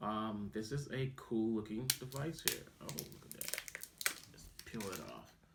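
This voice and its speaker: A man's voice with audible room echo. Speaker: tech YouTuber doing unboxings. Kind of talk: casual unboxing video. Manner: casual, hesitant with many fillers.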